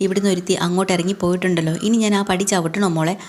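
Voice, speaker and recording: A reproachful middle-aged uncle, voiced by a woman retelling a serial. His talk runs low and fast, one scolding after another. He sounds hurt more than angry. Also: fairly even intonation, a little mellow, slight background noise, close to an everyday voice. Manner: reproachful, lecturing.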